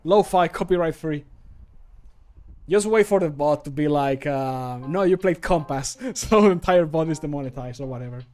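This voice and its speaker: A man's voice: on the high side, normal speed, darkish tone, smooth, soft background music. A man in his thirties chatting casually on a livestream from a small room at home, joking, commenting on what he does and swearing lightly. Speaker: streamer recording mod voice lines.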